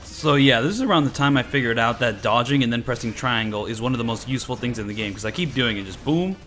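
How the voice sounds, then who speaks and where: A man's voice: medium pitch, fast talker, a bit bright, soft background music. A man giving casual, rambling gameplay commentary, a little stuffy from a cold. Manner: rambling, lots of filler words. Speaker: gaming commentator.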